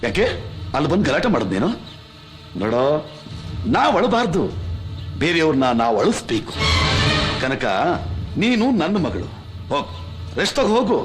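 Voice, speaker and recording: A man's voice: a little high, sing-song, normal speed, long pauses, over music. A middle-aged man playing a powerful, arrogant father who barks orders and boasts of his reach. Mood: commanding. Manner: barking orders, boastful, dismissive. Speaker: supporting actor in a feature film. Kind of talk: dramatic film acting. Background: film score.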